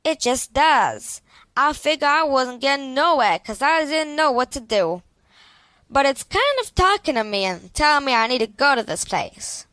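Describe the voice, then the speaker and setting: A woman's voice: sits high, very animated, normal speed, pushed and bright, dry recording, exaggerated voice. A woman playing a patient, encouraging young twin sister in an audio drama, colloquial and easygoing. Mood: earnest, hopeful.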